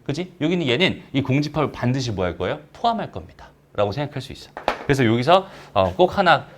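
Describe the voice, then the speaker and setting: A male math teacher giving a recorded lecture. His pitch rises and falls a lot as he talks. He keeps asking the class quick questions and then answers them himself. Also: very animated.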